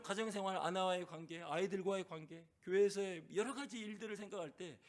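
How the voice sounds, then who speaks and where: A middle-aged pastor preaches with passion in a high-pitched voice, often posing questions to the congregation. He swings between loud cries and hushed tones.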